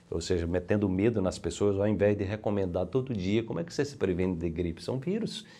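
At a fairly quick pace, a man speaks in a dark, mellow tone at a fairly low pitch with ordinary pitch variation. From Brazil, Pernambuco sertão (Serra Talhada); Pernambuco, Brazil. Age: 50s. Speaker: alternative health video creator; health channel host. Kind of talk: monologue to camera. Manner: hesitant, many fillers. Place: studio. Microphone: lapel.

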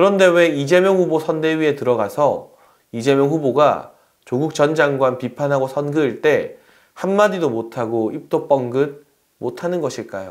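A man with a fairly high pitch speaks at a moderate pace with ordinary pitch variation against a quiet background. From South Korea. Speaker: political commentator. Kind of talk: political commentary monologue. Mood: critical, sarcastic. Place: studio. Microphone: studio mic.

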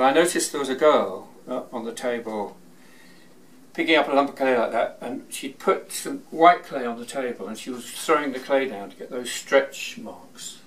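A man speaks at a moderate pace with ordinary pitch variation. His loudness swings widely. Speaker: potter giving a demonstration. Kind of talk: informal demonstration talk to visitors. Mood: relaxed, amused. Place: workshop. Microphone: camera far.

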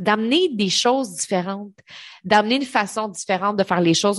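In a Quebec accent, a woman speaks with ordinary pitch variation over a quiet background. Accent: Québécois French. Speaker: podcast host and business coach. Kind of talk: solo podcast monologue. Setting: home, power outage. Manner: casual, with hesitations.

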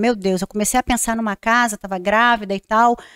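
Over a quiet background, a woman speaks at a fairly high pitch with ordinary pitch variation, the sound dry with no echo. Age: 30s. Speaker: accounting firm entrepreneur; podcast guest. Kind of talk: casual interview chat. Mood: warm, faith-filled storytelling. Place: studio. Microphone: studio mic.

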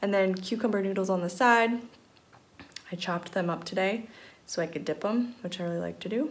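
At a fairly quick clip, the speaker's pitch shifts by ordinary amounts. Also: woman. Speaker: health vlogger. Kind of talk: casual vlog chat. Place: kitchen. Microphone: phone near.

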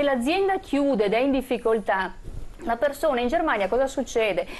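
A woman's high voice at a fairly quick pace, with lively intonation. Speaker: local civic list representative; guest. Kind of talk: televised political debate. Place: studio. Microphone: lapel.

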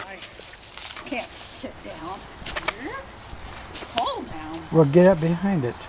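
Over noticeable background noise, a woman with a fairly low pitch speaks at a very slow pace with lively intonation, big swings in loudness, and long, frequent pauses. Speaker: comic storyteller. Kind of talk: comedic parody storytelling in character, reading a fairy tale aloud with spoonerisms. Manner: animated, playful, mock-earnest storyteller mangling words with swapped syllables. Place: forest.

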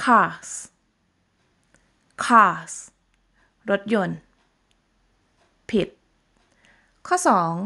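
A woman speaks with an Isan accent. The background is quiet. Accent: Thai with Buriram (Isan). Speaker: driving test tutor, vlogger. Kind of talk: tutorial.

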